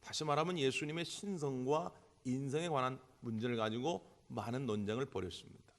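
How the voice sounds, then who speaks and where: A male pastor delivering a Sunday sermon, full of rhetorical questions, swinging between loud bursts and quiet passages. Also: mid-range voice, brisk. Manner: impassioned, with rhetorical questions and big swings in loudness. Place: church sanctuary. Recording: long church hall reverb.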